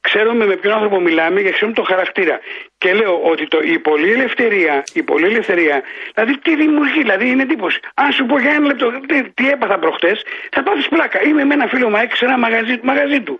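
A high-voiced, husky man phones in to a radio show. He presses his point and circles back to repeat it, and the call comes through a dull, muffled phone line. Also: expressive. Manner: insistent, repeats himself for emphasis. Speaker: caller.

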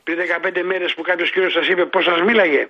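Insistent man calling in, husky and high. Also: flat delivery. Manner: insistent, repeats himself for emphasis. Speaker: caller. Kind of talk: call-in radio complaint. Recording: muffled phone line.

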